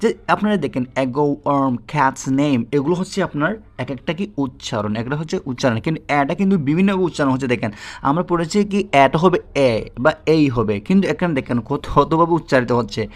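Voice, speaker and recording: A man's voice: a little high, animated, quick pace. A man with a Bangladeshi Bengali accent teaching a spoken English lesson. He repeats himself, talks straight to his viewers and keeps checking that they follow. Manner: repetitive, checks in with "ঠিক আছে?"; addresses viewers directly.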